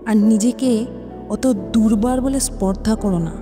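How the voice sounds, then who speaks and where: A woman's voice: on the high side, measured pace, close to an everyday voice. A woman playing a proud, dignified schoolteacher, defiant and formal, in a dramatic audio drama style. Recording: long reverb, prominent music underneath.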